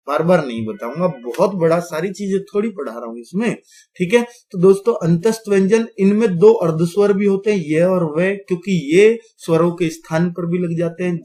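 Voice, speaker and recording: A man teaching grammar to an online class, his voice sitting a little high for a man. He moves step by step, keeps checking in with his viewers, and voices each sound aloud to show how it is made. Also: a little mellow. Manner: explains step by step, repeating "theek hai" and addressing viewers as friends; demonstrates sounds aloud while pointing at written letters. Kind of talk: classroom-style explanation to viewers.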